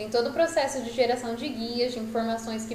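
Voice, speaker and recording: A woman's fairly high, monotone, flat voice with audible room echo and noticeable background noise. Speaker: accountant teaching payroll. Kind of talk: live-stream tutorial. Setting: live stream on laptop.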